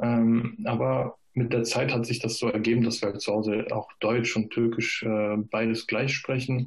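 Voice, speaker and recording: Medium in pitch, a man speaks in a flat monotone at a fairly slow pace, his loudness very even and hardly any pauses. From Germany, Cologne. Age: 20s. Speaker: student teacher. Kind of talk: interview. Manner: hesitant, many filler sounds.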